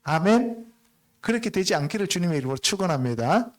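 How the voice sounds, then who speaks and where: Man preaching in church, kinda high voice, talks to the congregation like a chat. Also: lively intonation, a little fast. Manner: conversational preaching, frequent call-and-response asides. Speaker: pastor. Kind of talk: sermon. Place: church sanctuary.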